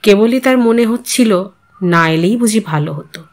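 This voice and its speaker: A woman reading a literary short story aloud as an expressive narrator and host. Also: mid-range voice, moderate pace.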